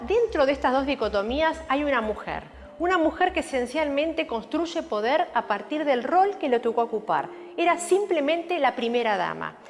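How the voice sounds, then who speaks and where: A woman explaining history in a documentary interview, building her points with lists and emphasis. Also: a little high. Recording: long hall reverb.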